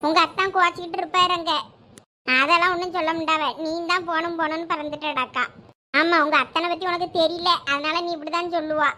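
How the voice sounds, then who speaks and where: A young woman with a Thoothukudi Tamil accent bickers through domestic back-and-forth in a village comedy skit. Her very high voice holds a level tone, brisk, pushed, and bright.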